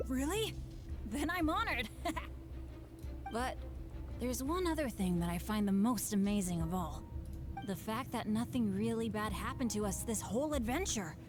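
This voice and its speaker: A woman's voice: fairly high pitch, moderate pace, long pauses, lightly acted. An actress voicing an earnest, upbeat young male adventurer in a game, eager, encouraging and sincere. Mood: grateful, sincere. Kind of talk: scripted anime game voice acting. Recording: game music behind the voice.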